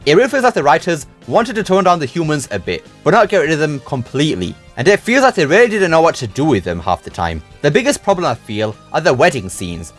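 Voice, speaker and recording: A man's voice: a little high, very animated, fast talker, few pauses, soft background music. A man giving a scripted but conversational film review as a video host, with casual, opinionated phrasing.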